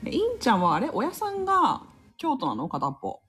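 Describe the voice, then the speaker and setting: A woman's voice: high voice, huge pitch swings, brisk, fairly bright tone, slightly rough, soft background music. A woman hosting a casual live stream, chatting, laughing often and reading listener comments aloud.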